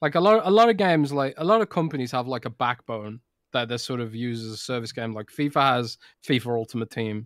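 A man with an English accent talks at a fairly quick pace and a medium pitch, using lively intonation. The very clean recording has a silent background and a dry, close sound with no echo. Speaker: gaming journalist and podcast co-host. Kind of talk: casual chat.

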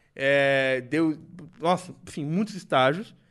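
A man's voice over a quiet background. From Brazil, interior of São Paulo state (Araraquara). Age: 30s. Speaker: podcast guest, content creator. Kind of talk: casual chat. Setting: studio.

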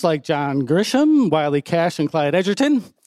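With noticeable noise behind him, a man talks at a fairly quick pace, his pitch swinging very widely. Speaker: bookstore owner introducing the event. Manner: warm, laughing, jovial.

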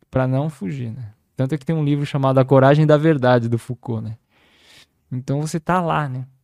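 A man with a normal speaking voice at a medium pitch talks at a moderate pace with ordinary pitch variation, in a very clean recording with a silent background and a dry, close sound with no echo. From born in Taiwan, raised in Brazil from age five. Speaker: Mandarin teacher and Chinese philosophy scholar. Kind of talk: interview conversation.

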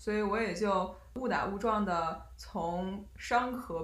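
Over audible room echo, a woman talks at a medium pitch with vocal fry and ordinary pitch variation. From China. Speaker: podcast co-host, senior corporate manager. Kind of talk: casual chat.

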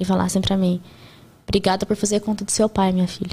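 A woman talks with a somewhat breathy voice. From Brazil, Minas Gerais. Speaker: digital influencer. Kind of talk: casual chat.

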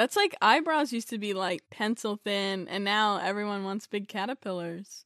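Against a quiet background, an ordinary speaking voice moves at a moderate pace with ordinary pitch variation and hardly any pauses. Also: woman, medium pitch for a woman. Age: 20s. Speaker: podcast co-host. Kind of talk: casual chat.

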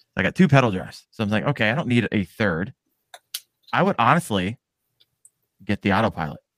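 A fairly low-pitched male voice, fairly quick yet broken by long, frequent pauses, lively in intonation, with a dry, close, echo-free sound. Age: 40s. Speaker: podcast host. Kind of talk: casual interview. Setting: livestream. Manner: energetic.

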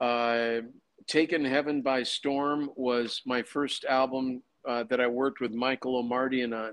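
A man with an American accent speaks at a medium pitch in a flat monotone, keeping a fairly slow pace. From US Midwest (Chicago). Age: 60s. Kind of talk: interview. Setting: remote call.

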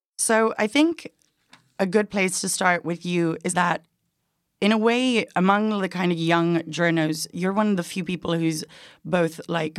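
An unremarkable speaking voice with fairly even intonation in a very clean recording with a silent background. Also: woman. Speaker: interviewer. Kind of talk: casual interview chat.

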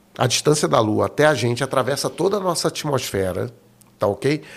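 There is vocal fry in this man's fairly high voice, which moves with lively intonation over a very clean recording and a silent background. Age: 60s. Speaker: amateur astronomer and electrical engineer. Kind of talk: casual interview. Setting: studio, live broadcast.

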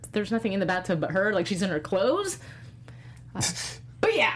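A woman's voice over noticeable background noise. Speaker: TV after-show host. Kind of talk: casual panel chat. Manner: fast talker.

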